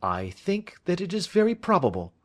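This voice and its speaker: Dry, composed gentleman detective for a storybook reading, with a male narrator doing him, voice lifted a little. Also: high voice, wildly swooping pitch, normal speed, pitched above the performer's own voice. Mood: reassuring. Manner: dry, offhand. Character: calm, wry gentleman detective.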